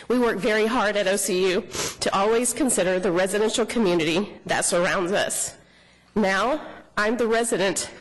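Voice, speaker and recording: A man's voice: sits high, fairly bright tone, low-quality recording. Man resident at council podium, reading formal remarks, voice a little quivery. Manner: earnest, formal, slightly shaky. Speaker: public commenter, neighborhood resident. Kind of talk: prepared public comment. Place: city council chamber.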